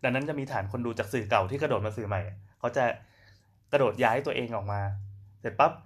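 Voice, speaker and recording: A man's voice: mid-range voice, slightly rough. A man hosting a casual podcast chat, telling stories loosely with lots of restarts. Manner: fast, loose storytelling with many restarts. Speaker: podcast host.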